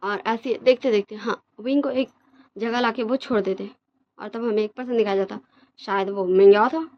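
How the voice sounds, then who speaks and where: A woman's voice: mid-range voice, fairly even intonation, moderate pace, dull audio. A woman host casually retelling a fan story, chatty and full of fillers, mixing in English words.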